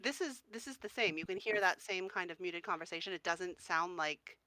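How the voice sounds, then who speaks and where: Bright-voiced woman game master. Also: on the low side, a little fast, no room sound, rough recording. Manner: descriptive, hesitant with fillers. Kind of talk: narrating a tabletop game.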